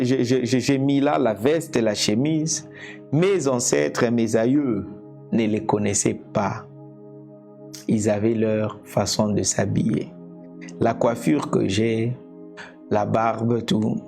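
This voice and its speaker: A man from Congo whose first language is Lingala, preaching a teaching sermon in a slow, deliberate way, repeating and restarting phrases. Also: medium pitch, gravelly, darkish tone. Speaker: evangelist preacher. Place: indoors, seated.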